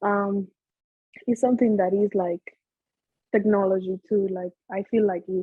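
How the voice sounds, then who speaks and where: A woman speaks in a Spanish accent at a fairly slow pace. Her intonation is fairly even. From Ecuador. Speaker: audience member. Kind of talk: audience question.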